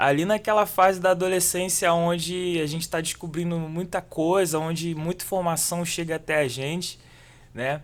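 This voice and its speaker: At a moderate pace, a man with a high pitch speaks with fairly even intonation on a very clean recording with a silent background. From Brazil, Macaé (Rio de Janeiro state). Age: 20s. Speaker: worship leader. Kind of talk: podcast interview, testimony.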